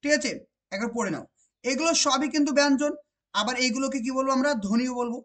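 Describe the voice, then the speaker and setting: A woman teacher with a West Bengal accent and a high voice leads an exam-prep grammar lesson. She drills each point more than once, slows down to stress key phrases, and keeps checking in with rhetorical questions.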